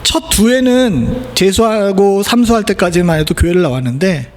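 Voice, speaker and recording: High-voiced Korean pastor preaching conversationally. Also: male voice, normal speed. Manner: conversational preaching with rhetorical questions to the congregation. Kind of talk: sermon. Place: church sanctuary.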